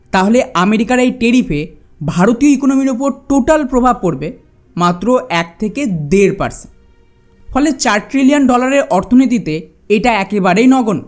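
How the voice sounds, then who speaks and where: This is a narrator reading scripted news commentary. The delivery is rhetorical and emphatic, set at a middle pitch, with music playing behind. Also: a little mellow.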